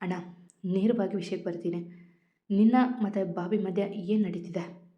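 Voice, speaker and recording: Tearful young wife, soft and pleading, read by a woman storyteller, mid-pitched, slightly lo-fi. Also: fairly even intonation, moderate pace, echoey room, close to an everyday voice. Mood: earnest.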